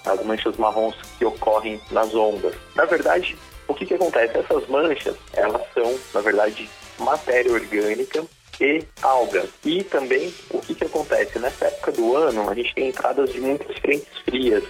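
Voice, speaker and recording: A marine biologist explains in a steady, mid-pitched male voice, leaning on rhetorical questions. Faint music sits under the recording. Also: moderate pace. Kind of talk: recorded expert answer.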